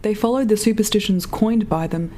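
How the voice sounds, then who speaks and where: A woman playing a reflective, philosophical storyteller, delivering a solemn, deliberate monologue in an audio drama. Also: medium pitch, mellow, a little hiss or hum, lightly acted. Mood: solemn, musing.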